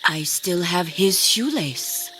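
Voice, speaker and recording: A woman playing a full-grown enchanted tribal princess in an audio drama, with measured, formal phrasing. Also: lowish voice, lively intonation, bright, forceful tone, soft background music, heavily acted. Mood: solemn, calm.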